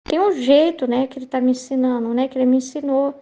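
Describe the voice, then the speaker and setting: A woman's voice: sits high, fast, warm tone. A woman sharing a casual spoken faith testimony, hesitant and searching for words, often checking in with tag questions.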